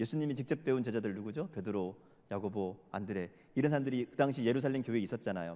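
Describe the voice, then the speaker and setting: Lively intonation runs through the man's very fast delivery. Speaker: pastor. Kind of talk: sermon.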